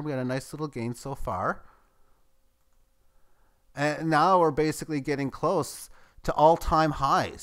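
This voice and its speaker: Man calling live price ticks. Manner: running play-by-play, excitable at highs. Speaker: market chart analyst. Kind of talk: live trading commentary.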